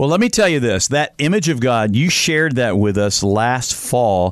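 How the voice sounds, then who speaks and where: Speaking at a moderate pace, a man with a medium pitch sounds animated, his intonation lively. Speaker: radio host. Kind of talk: casual chat.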